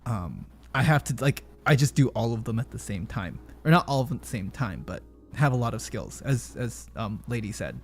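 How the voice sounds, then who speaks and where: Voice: mid-range voice, sing-song, normal speed, soft background music. A streamer hosting a casual chat with a guest, chatty and encouraging, with many fillers and restarts. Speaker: streamer host.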